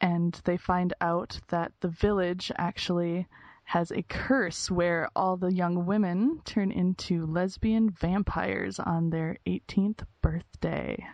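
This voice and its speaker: A woman speaks very slowly in a fairly low voice with a Minnesotan accent. Her intonation stays fairly even, and she barely pauses. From US Minnesota. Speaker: podcast host. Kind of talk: casual chat.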